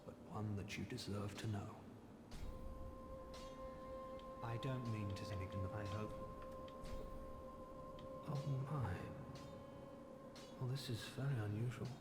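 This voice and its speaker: An actor playing a courteous, scholarly male sorcerer in a video game, speaking in measured, formal, archaic phrases. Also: fairly low pitch, lightly acted. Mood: solemn, earnest. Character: scholarly male sorcerer, courteous, bookish, delighted by old lore. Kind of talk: video game character dialogue. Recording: echoey game audio under loud music.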